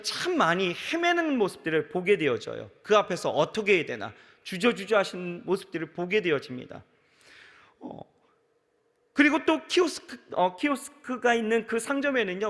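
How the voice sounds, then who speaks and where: A pastor preaching a sermon to his congregation, speaking right to them and acting out the voices of the people in his stories. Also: high-pitched. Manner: animated preaching, acts out quoted voices, addresses congregation directly. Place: large church sanctuary. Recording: reverberant large church sanctuary.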